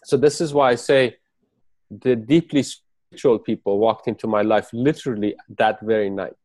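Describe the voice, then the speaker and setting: Speaking as a guest on a video call interview, this Farsi-native man, Persian by origin and raised in the Emirates, tells his story haltingly, restarting often. His voice is on the low side with a darkish tone, and the recording has no echo.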